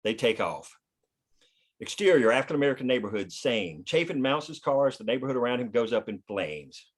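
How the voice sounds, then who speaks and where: A man's voice: medium pitch, expressive, a little fast. A man reading stage directions as the narrator of a screenplay, in scripted narration.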